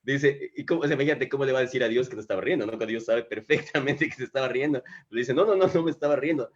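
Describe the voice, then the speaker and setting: A man's voice: medium pitch, very fast, lo-fi sound. A man hosting a live talk on faith, telling the story animatedly and often restarting his sentences. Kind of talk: casual spiritual conversation. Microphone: video call microphone.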